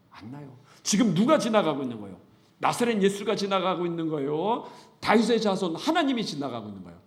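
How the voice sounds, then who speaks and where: Man, middle-aged pastor, sermon, lively swooping delivery, highish voice, roomy church echo. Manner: animated preaching, rising to loud emphasis, then dropping to whispers; playful, laughing through his points. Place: church sanctuary.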